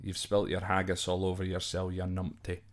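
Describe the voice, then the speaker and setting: A man's voice: low-pitched, completely flat delivery, normal speed. A man with a Scottish accent casually explaining slang as a podcast host, informal and hesitant, often spelling words out. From Scotland.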